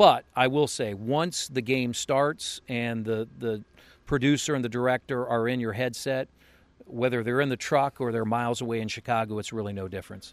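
This man has a normal speaking voice, pitched in the medium range, with fairly even intonation. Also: moderate pace. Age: 50s. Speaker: TV sports play-by-play broadcaster. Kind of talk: interview.

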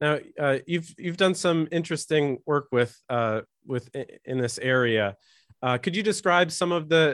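Recorded very cleanly against a silent background, a man talks at a moderate pace with ordinary pitch variation, the sound dry and close with no echo. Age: 30s. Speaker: psychology podcast host. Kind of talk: interview. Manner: halting, many fillers and repetitions.

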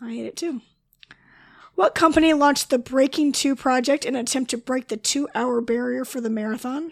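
A woman speaks at a fairly quick pace in a high voice with fairly even intonation. The sound is dry and close with no echo, in a very clean recording with a silent background. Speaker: quiz host. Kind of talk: quiz reading. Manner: fast.

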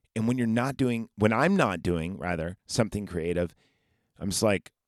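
A man with an unremarkable speaking voice talks at a moderate pace, fairly low in pitch with ordinary variation. The recording is very clean and dry, close with no echo, over a silent background. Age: 30s. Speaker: podcast host. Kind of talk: casual solo monologue.

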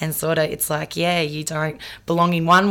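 A woman talks with an Australian accent. Her voice is fairly low in pitch, with monotone, flat intonation. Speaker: mother and amateur rapper. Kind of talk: interview.

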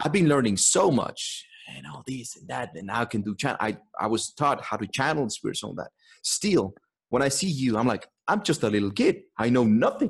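Lively in intonation and somewhat breathy, a man at a medium pitch talks at a fairly quick pace, his loudness swinging widely. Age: 30s. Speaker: podcast host. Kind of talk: casual chat. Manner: animated, profane.

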